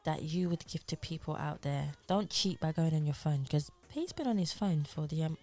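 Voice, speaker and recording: Gravelly low-voiced woman host. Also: lively intonation, moderate pace, darkish tone, soft background music. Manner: teasing, playful questioning. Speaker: podcast host. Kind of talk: casual podcast interview.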